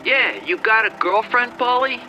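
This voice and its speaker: Man putting on a high-voiced bullying American trucker boss. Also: moderate pace, pushed and bright, slight background noise, full character voice, low-quality recording. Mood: upbeat. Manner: bossy, needling, curt. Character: bullying, volatile male delivery-truck boss. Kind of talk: acted character in a story. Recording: music behind the voice.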